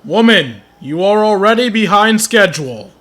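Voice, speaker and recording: A man's voice: sits high, sing-song, normal speed, fairly bright tone, slight background noise. A man making blunt, mock-grumpy joking comments over a video game as he plays. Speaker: gaming streamer.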